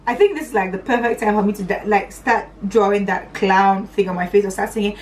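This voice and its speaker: A young woman from Northern Nigeria telling a personal story on her vlog in a chatty, animated way, her voice swinging up high and dropping to low asides. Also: fairly quick, far from the mic, a little hiss or hum, rough recording. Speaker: vlogger.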